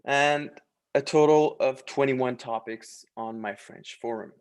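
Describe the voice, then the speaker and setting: A man's voice: medium pitch, measured pace, clear, resonant tone. A man working as a language coach, presenting a course in a promotional, partly read-out style with short, emphatic phrases.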